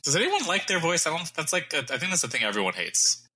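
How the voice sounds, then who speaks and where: A man co-hosting a casual podcast with a wry, joking manner, often backing up and restarting his thoughts. His voice is very bright and pointed, and his pitch swings widely. He sounds like an ordinary chatty co-host. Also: very animated, quick pace, husky. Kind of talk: casual recap chat.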